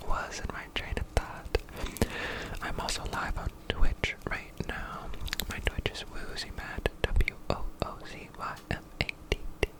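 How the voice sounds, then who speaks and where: Guy doing a whispered asmr pep talk, really slow n gentle, encouraging affirmations. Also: rough recording. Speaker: ASMR creator and streamer.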